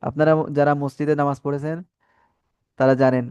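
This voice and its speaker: A man's voice: a little high, flat delivery, brisk, darkish tone, smooth, dry recording, dull audio. A man teaching a Quran reading class, patiently spelling out letters and vowel marks and stretching the syllables as he has the students repeat. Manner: asks the class questions and has them repeat. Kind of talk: Quran recitation lesson.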